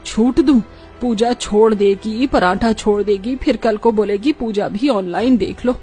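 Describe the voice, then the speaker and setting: A woman's voice: medium pitch, measured pace, warm tone, soft background music, lightly acted. A woman voicing a strict, traditional middle-aged mother-in-law who scolds her daughter-in-law. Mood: stern scolding. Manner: scolding, stern.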